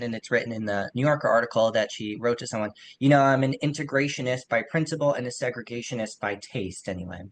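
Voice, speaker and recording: A man's voice: mid-range voice, fairly bright tone, slight background noise. A man co-hosting a podcast, thinking through literature in a casual, reflective and qualified way. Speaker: podcast co-host.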